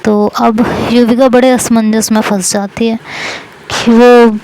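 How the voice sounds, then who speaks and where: Woman telling a story casually, gravelly voice, faint hiss. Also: on the high side, flat delivery, slow, warm tone, poor audio. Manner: casual, repeated phrases. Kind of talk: storytelling narration.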